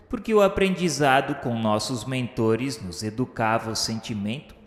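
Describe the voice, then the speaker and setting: An actor with a Brazilian accent playing a solemn male spirit narrator in a radio drama, speaking in formal, measured, declamatory literary phrases. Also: medium pitch, natural voice. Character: solemn male spirit recounting his afterlife studies and remorse. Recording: echoey hall reverb under music. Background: background music.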